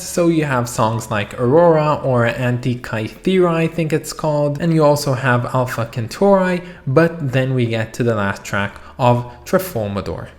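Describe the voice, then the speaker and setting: A man's voice: mid-range voice, a little mellow. A man giving a casual, enthusiastic spoken album review, often saying "you know" and "like" as he goes.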